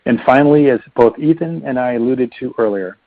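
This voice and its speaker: A man delivers prepared financial remarks formally and evenly, like an executive on an earnings call. His voice is somewhat husky and of ordinary pitch. It comes through a very narrow telephone line. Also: brisk, dry recording. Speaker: company finance executive presenting results. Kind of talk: scripted earnings report narration. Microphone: telephone conference line. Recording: muffled narrow phone-line conference call.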